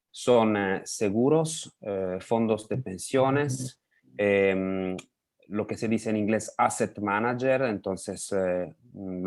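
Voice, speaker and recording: A man from Italy with an Italian accent, speaking Spanish as a second language in a video call interview, pausing often with fillers. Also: lowish voice. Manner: hesitant, many pauses and fillers. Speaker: interview guest, lobbying association head.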